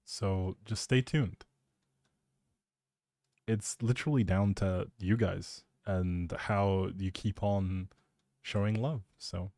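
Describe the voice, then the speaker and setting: A man's voice: low voice, fairly even intonation, takes it slowly, pauses often, darkish tone, no echo, studio quality. A man live streaming, chatting casually in an appreciative, rambling way and thinking aloud as he goes.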